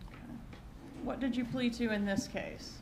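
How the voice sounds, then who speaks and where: A woman's voice: on the high side, fairly even intonation, normal speed. A woman speaking as a prosecutor in a courtroom, examining a witness with short, pointed questions. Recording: noisy courtroom recording.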